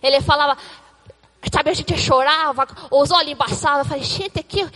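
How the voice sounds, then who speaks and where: A woman playing an excitable, chatty mother in a comic church sketch, retelling events dramatically with quoted asides. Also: high-pitched, normal speed, long reverb tail. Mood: excited.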